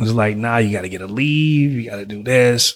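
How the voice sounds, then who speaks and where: A man with a plain, everyday voice, medium in pitch, with an American accent, at a moderate pace. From US West Coast, San Francisco. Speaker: comedian and public address announcer. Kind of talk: casual interview chat.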